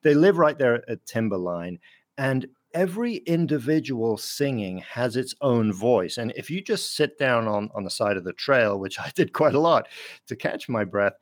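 A man's voice: medium pitch, expressive, normal speed. A man from France, a biologist guest, explaining thoughtfully in a radio interview and chuckling now and then.

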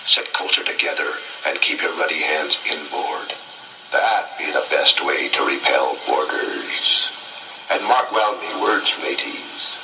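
An actor playing a menacing old pirate skeleton head on a theme park ride, speaking slowly and ominously in gravelly pirate-speak. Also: male voice, very deep voice. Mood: ominous warning. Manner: slow, ominous, theatrical. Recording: distant, echoey, noisy theme park ride audio.

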